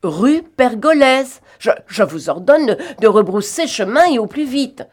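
A woman's voice: fairly low pitch, sing-song, a little slow, heavily acted. A woman reading the part of a proud, shrewd English detective, with clipped, commanding speech. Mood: angry. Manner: clipped, commanding, turns sharp and shouting when alarmed.

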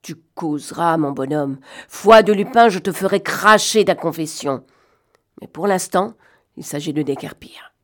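Fiery, commanding gentleman burglar for an audiobook, read by a woman; sharp, scolding delivery. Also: lowish voice, unhurried, natural voice. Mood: angry.

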